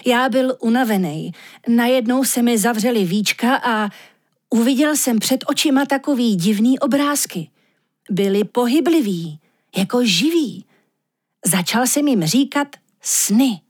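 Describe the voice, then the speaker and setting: A woman voicing an anxious male magic reindeer who talks in a slangy, pleading way, with a husky voice. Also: on the high side, animated, a little mellow. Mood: urgent, pleading.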